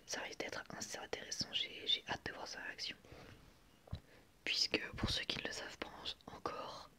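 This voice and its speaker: Homme qui chuchote en ASMR. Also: male voice, normal speed. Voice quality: soft unvoiced whisper. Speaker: host of an anime ASMR channel. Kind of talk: whispered ASMR commentary.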